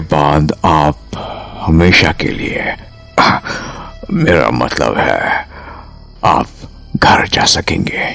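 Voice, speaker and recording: A put-on character voice speaks at a very slow pace while clear music plays in the background. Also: man. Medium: audio drama. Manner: smooth, mixes English endearments into Hindi.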